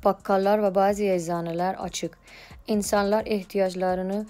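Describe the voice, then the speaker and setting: A woman's voice: medium pitch, little pitch movement, unhurried, a little mellow, faint music behind. A woman with an Iranian accent giving a prepared report in a foreigner's broken Turkish with grammatical slips.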